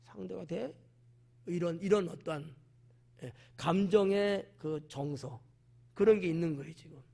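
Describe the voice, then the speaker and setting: A man with a fairly high voice preaching a sermon at an evening service. He walks through a Bible passage line by line and keeps turning to his listeners with questions. He acts out the speakers in the text with animated, sarcastic quoted lines. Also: normal speed, creaky. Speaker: pastor.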